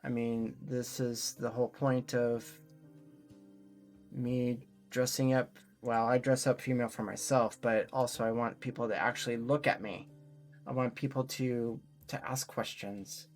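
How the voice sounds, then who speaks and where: A woman speaks slowly and reflectively, pausing often as she chats about herself. Her voice sits in a deep register for a woman, and soft plucked guitar music plays behind her. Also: little pitch movement. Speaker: co-host answering audience questions. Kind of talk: casual personal chat.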